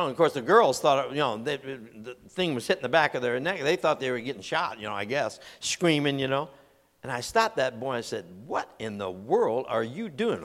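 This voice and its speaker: A man, preaching and telling a funny story with lively delivery. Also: fairly high pitch, in a large hall. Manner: animated storyteller, acts out voices and laughs. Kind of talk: humorous sermon illustration.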